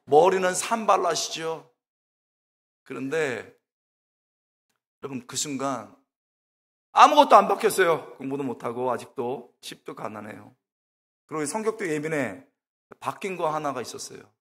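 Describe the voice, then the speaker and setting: A middle-aged male preacher in a church sanctuary, his slightly high voice carried by long reverb. He tells his testimony with feeling, calling out loudly one moment and sinking to slow, quiet words the next. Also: sing-song. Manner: emotional storytelling, voice swinging from loud to hushed. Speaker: guest preacher at a revival service. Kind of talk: sermon.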